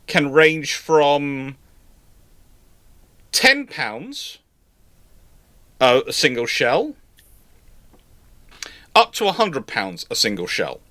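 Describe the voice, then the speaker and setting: A man hosting an unscripted live panel discussion, speaking haltingly and rephrasing as he goes. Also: a little high, big pitch swings, sharp tone. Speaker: host of a live question panel.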